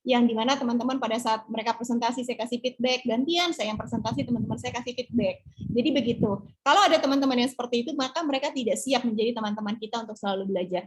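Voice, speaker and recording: A middle-aged woman public speaking trainer answering class questions in a warm, encouraging way, often tagging her sentences with a questioning "ya". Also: on the high side. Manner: encouraging, peppers speech with "ya".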